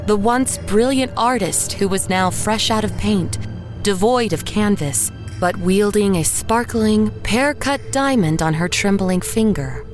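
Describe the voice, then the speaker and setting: A slightly low-voiced woman tells her own story as a resigned, uneasy artist. Her delivery is measured and literary, in the manner of an audio drama, with music underneath. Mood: uneasy, brooding. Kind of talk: first-person scripted audio drama narration. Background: music behind the voice.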